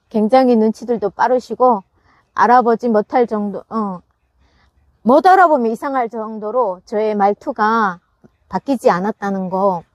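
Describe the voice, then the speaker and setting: In a farm greenhouse, a woman who hosts a gardening channel chats casually with her viewers, laughing often and restarting her sentences. Her voice is a little high and the recording is dry.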